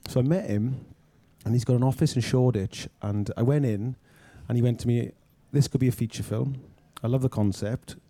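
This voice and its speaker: Man from Wales, quick and lively raconteur who laughs and acts out quotes; very dark timbre. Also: mid-range voice, dry recording. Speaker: film director guest. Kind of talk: anecdotal storytelling.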